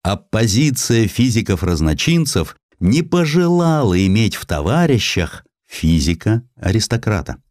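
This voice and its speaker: A man reading a historical essay as an audiobook narrator, in an expressive, scripted literary style. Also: fairly low pitch, measured pace, hardly any pauses, dry recording, clean studio sound.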